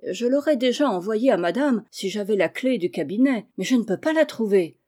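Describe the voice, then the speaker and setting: A woman reading aloud, voicing a good-hearted, quick-witted maidservant. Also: mid-range voice, expressive, warm tone, natural voice. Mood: sly. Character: kindly clever maidservant.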